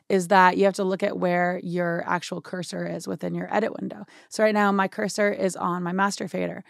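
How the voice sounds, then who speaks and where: A young woman with a hoarse, worn-out voice, chatting through a software tutorial in a home studio and often checking in with "right?". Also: mid-range voice, no echo. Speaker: music production tutorial host. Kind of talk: casual screen-share software tutorial.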